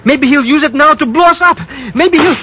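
An actor playing an excitable, jittery comic rogue sidekick in 1950s radio drama, stammering and repeating his words. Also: very high voice, fairly quick. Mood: nervous, bewildered. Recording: muffled, noisy vintage radio recording.

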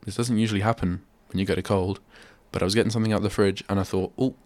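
Male host, deep and congested with a cold, rambling chat in a dry little studio. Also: fairly even intonation, racing, a little mellow, no room sound. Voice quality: bunged-up, nasal. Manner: rambling, chatty, self-deprecating. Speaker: radio host. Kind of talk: casual solo radio chat. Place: small radio studio. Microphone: studio microphone.

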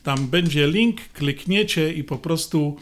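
A man's voice: a little high, measured pace, a bit bright. A man hosting a radio show and bantering casually with his co-host. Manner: chatty, bantering.

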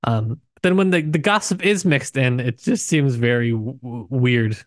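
Male co-host, medium pitch, informal and slightly hesitant conversational delivery, dry room sound. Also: unhurried, no echo. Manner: informal, hesitant, hedging with asides. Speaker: podcast co-host. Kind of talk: casual book discussion.

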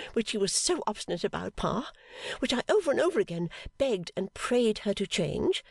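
A reader voicing an indignant, snobbish young woman who scolds in long, shrill complaints in an audiobook. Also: dry recording. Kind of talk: storybook reading.

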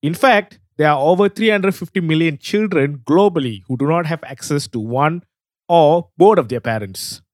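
Male podcast host, scripted outro, earnest steady delivery, higher voice, dry close sound. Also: moderate pace, dry recording.

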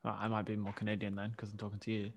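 A man's voice: on the low side, completely flat delivery, racing. Dry British man, casual podcast chat. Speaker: podcast co-host. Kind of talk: casual banter.

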